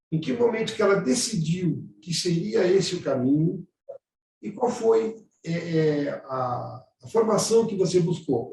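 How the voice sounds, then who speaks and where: Heard from a distant mic with a little hiss or hum, this high-pitched, warm-toned man hosts an online interview show. His chatty questions ramble and restart often, and the room he's in echoes.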